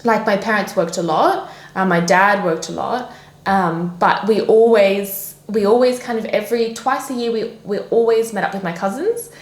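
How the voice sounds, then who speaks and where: A woman's voice: mid-range voice, moderate pace. A young woman, French her first language, chatting casually as a podcast guest with many fillers and restarts. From France. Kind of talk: casual interview chat. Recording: echoey room.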